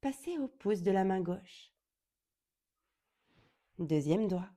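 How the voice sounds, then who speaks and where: A woman guiding a yoga nidra meditation in a calm, gentle, soothing way, speaking deliberately and leaving long pauses. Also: medium pitch. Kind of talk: slow guided meditation.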